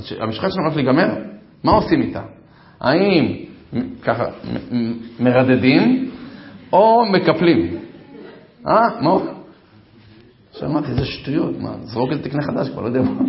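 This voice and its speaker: A man's voice: mid-range voice, slight background noise. A man in his forties giving a humorous talk on marriage, telling stories about himself and speaking straight to his listeners. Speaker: lecturer on marriage and self-improvement. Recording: roomy echo, dull lo-fi sound.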